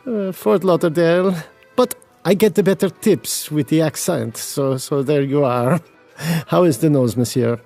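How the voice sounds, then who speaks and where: An actor playing a flustered, fawning café waiter with a put-on French accent in a comic audio drama, theatrical, apologetic and hunting for English words. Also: male voice, fairly high pitch, unhurried, gravelly, darkish tone, faint music behind. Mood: sheepish. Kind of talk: audio drama comedy acting.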